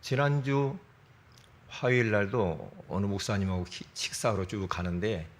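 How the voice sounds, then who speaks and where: A middle-aged man preaching a sermon as pastor, telling stories in a lively way with interjections, his throat strained. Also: on the low side, measured pace. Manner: lively storytelling with interjections and self-corrections.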